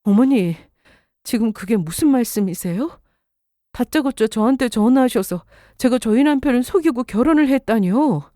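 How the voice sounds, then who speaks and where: A woman's voice: a little high, animated, normal speed, warm tone, no echo, clean studio sound, close to an everyday voice. A woman playing a young wife who has just lost her pregnancy, emotional and indignant in a radio drama. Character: grieving young wife after miscarriage.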